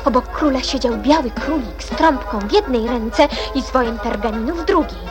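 Polite little girl played by a woman for storybook radio play; high voice, earnest, questioning, music behind. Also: normal speed, natural voice. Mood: narrating.

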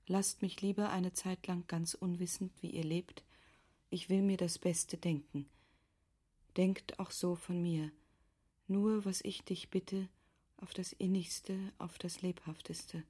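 Hushed, husky noblewoman, low and slow. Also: little pitch movement. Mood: hushed, pleading. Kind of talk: literary radio drama.

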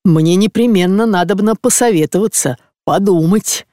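A man's voice: high voice, normal speed, mellow, no echo, studio quality, close to an everyday voice. A reader voicing a fussy, evasive older provincial man who meekly pleads and dodges in an audiobook. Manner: flustered, meek pleading.

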